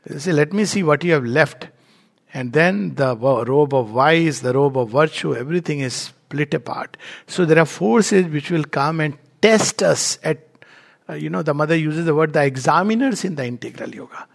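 A man's voice: a little high, moderate pace, gravelly. A man with a North Indian accent gives a spiritual discourse as a teacher, in an emphatic storytelling manner with acted-out dialogue. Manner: emphatic, storytelling, chuckles at own remarks.

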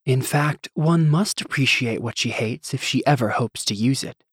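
A man's voice: mid-range voice, moderate pace, fairly bright tone, husky, no echo, studio quality. A man voicing a sultry, scheming goddess in an audiobook, with a coaxing, condescending, theatrical manner. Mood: smug. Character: sultry, scheming, languid goddess, vain wife. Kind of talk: audiobook character acting.

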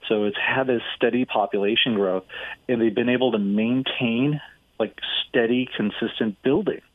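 A man's voice: mid-range voice, normal speed, no echo. A middle-aged man, a real estate investor, answering interview questions energetically and often tossing in "right?". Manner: energetic, fluent, fond of "right?" and "like". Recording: tinny phone line, dry.

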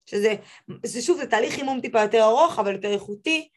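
A young woman, a guest on a podcast, talking in a casual and emphatic way, her voice rising high when she gives advice. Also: animated, darkish tone. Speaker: podcast guest, social media expert.

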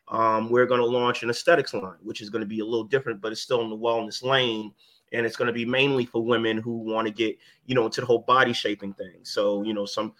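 A wellness business owner in his fifties talks casually and plainly on a podcast, often asking "you know what I mean." His voice is medium in pitch with a fairly bright tone.

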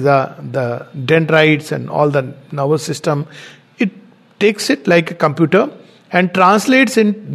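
A man giving a spiritual teaching talk, explaining his points step by step. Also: on the high side. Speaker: spiritual lecturer.

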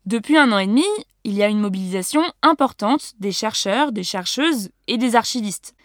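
A woman's voice: medium pitch, animated, normal speed, no echo, clean studio sound. A woman explaining a subject in a casual, conversational way. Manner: casual, with fillers.

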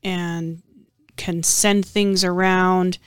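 A woman co-hosting a talk show in casual, reflective chat, measured and thoughtful, pausing mid-sentence. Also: fairly low pitch, little pitch movement, smooth, no room sound, studio quality.

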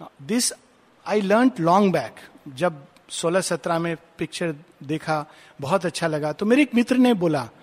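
A man, giving a reflective spiritual discourse and slowly reading English verse aloud. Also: on the high side, expressive. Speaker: spiritual speaker. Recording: long hall reverb.

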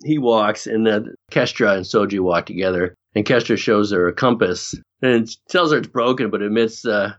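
A man's voice: fairly low pitch, normal speed, few pauses. A middle-aged man chatting casually as co-host while recapping a TV episode, joking and laughing often. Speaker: podcast co-host. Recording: dull lo-fi sound.

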